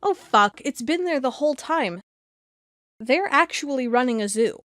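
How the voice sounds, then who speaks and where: Audio drama investigator, played by a woman: higher-pitched, very expressive delivery, startled and puzzling things out, dry studio sound. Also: normal speed, dry recording. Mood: shocked realisation.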